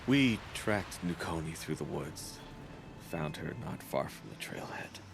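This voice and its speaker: A man's voice: a bass voice, lively intonation, measured pace, creaky, exaggerated voice. A man playing a good-natured, earnest tribal hunter in a video game cutscene. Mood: subdued, sad. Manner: mild, earnest. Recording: prominent music behind the voice.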